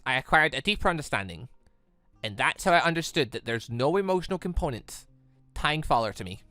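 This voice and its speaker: Guy playing a lonely girl ai, stiff and solemn visual novel character, close dry sound, soft music behind. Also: a little high, no echo. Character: formal, guarded, lonely sentient female AI.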